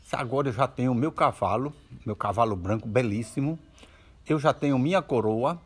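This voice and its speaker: A man voicing an excited little boy who pretends to be King Arthur, speaking eagerly and boldly. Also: mid-range voice, brisk, slightly rough, close to an everyday voice. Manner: eager, bold and playful.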